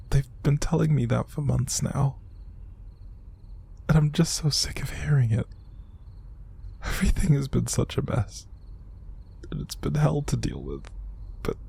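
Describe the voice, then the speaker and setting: A man acting an upset, exhausted young man in an intimate audio roleplay, speaking in a hushed, halting, breathy and gravelly voice. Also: medium pitch, heavily acted. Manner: halting, sighing, hushed, naturalistic delivery. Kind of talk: intimate audio roleplay monologue to an unseen listener.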